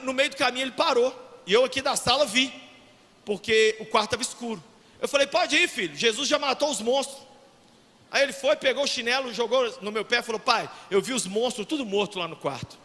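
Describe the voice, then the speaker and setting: A Brazilian man preaching a fervent sermon as a pastor, shouting his points and telling family stories. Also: very high-pitched. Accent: Brazilian Portuguese. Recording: long hall reverb.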